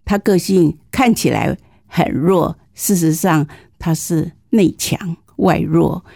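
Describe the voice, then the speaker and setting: A woman in her sixties speaks Mandarin with a southern Taiwanese accent. Her voice is soft-edged and mellow, sitting a little low. She talks candidly and with self-deprecating humor, like a guest sharing life stories, in a close, dry recording. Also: takes it slowly, creaky, no room sound. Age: 60s. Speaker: interview guest, teacher. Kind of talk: conversational personal storytelling.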